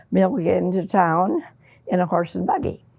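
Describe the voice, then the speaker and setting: Over noticeable background noise, a woman with an American accent speaks very slowly at a fairly low pitch. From US Midwest, Ohio. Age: 80s+. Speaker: oral history interviewee. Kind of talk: oral history interview. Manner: halting.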